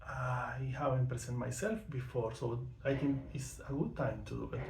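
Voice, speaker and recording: A man's voice: medium pitch, steady tone, moderate pace, vocal fry, a little mellow, echoey room, low-quality recording. A man in his thirties from Venezuela, speaking English with a Venezuelan accent though it is not his first language, talking frankly about himself in a casual monologue. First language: not English or Spanish. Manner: outspoken, frank, with frequent fillers. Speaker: vlogger.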